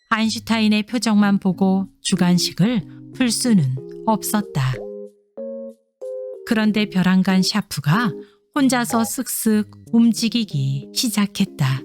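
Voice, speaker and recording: A woman narrating a scripted children's story, reading aloud expressively as if to young children. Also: medium pitch. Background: soft instrumental music.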